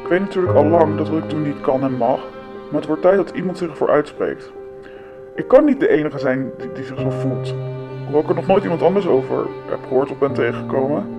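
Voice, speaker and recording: A woman in her twenties playing an anonymous young woman who hesitantly confesses, her voice disguised by shifting it down deep. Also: brisk. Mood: confessional. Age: 20s. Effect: voice disguised, pitched down deep. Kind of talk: confessional documentary interview. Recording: music playing underneath. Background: music.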